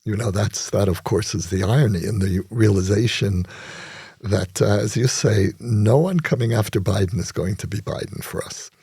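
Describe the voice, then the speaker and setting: Man, extremely gravelly, very husky voice, reflective storytelling, dry studio sound. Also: on the low side, normal speed, warm tone, no echo. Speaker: podcast co-host. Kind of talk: conversational podcast discussion.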